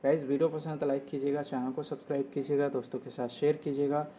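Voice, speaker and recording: A man's voice: medium pitch, level tone, fast talker, dark tone, a little hiss or hum. Man giving a casual how-to. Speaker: tech tutorial host. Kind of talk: casual phone settings tutorial.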